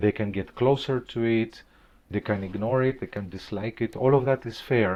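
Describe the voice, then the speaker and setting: A man with a Greek accent, medium pitch, fairly even intonation and a moderate pace. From Greece. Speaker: composer and professor. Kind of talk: interview. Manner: monotonous.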